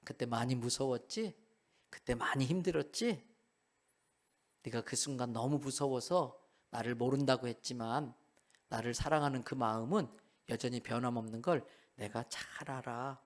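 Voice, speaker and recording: A man voicing Jesus as a gentle figure, speaking low and hushed, in a sermon. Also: moderate pace, close to an everyday voice. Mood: tender.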